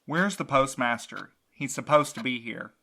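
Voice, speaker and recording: A woman's voice: rumbling low, normal speed, bright, forceful tone, exaggerated voice. A woman voicing a blunt, sardonic widowed courier in an audio drama. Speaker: night courier.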